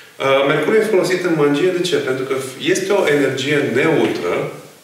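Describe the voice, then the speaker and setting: Light background noise and audible room echo around a male voice. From Romania. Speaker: spiritual healer and teacher; teacher. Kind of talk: lecture. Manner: halting. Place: empty room.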